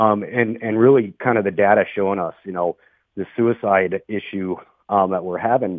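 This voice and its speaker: A man speaks at a moderate pace with fairly low pitch and fairly even intonation in a plain, everyday voice. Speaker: war veteran. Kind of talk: interview.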